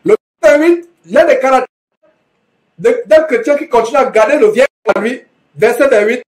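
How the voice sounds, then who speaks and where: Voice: high-pitched, moderate pace, darkish tone. A preacher teaching verse by verse from the Bible, reading each passage aloud and then explaining it with repetition and frequent self-corrections.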